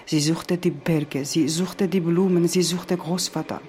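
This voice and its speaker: A middle-aged woman with a Georgian accent tells of herself and retells a story reflectively, in halting, non-native phrasing. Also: on the low side, fairly even intonation, warm tone, slight background noise. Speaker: interviewee.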